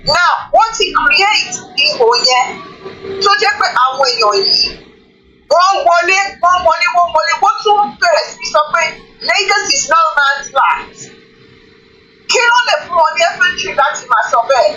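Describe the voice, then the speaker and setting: A woman's voice: extremely high pitch, expressive, moderate pace, sharp tone, distant mic. A woman making an impassioned political case, emphatic, with repeats and restarts, mixing Yoruba and English, her voice breaking with emotion. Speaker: guest speaker. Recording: echoey room, away from the mic.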